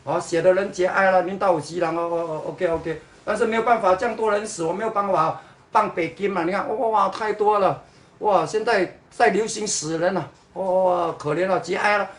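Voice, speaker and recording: A man's voice: high voice, brisk, echoey room. A man from Singapore with a Singaporean Mandarin accent sprinkled with Hokkien words, mocking his viewers in a livestream chat. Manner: mocking, sarcastic, mixes in Hokkien and English.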